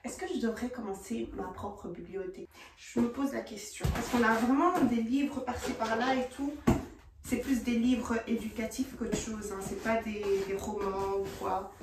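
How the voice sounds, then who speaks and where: A woman's voice: a little high, moderate pace, distant mic, over music. Chatty young woman vlogging, roomy echo. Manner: chatty, excitable, mixes in English slang. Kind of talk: casual vlog chat.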